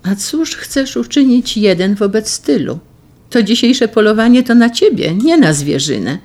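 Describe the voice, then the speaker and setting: A woman's voice: fairly high pitch, big pitch swings, unhurried, a little mellow, voice pushed up. A reader voicing an urgent young noblewoman. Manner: urgent, pleading. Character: young noble woman, devoted and tearful. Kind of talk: audiobook reading.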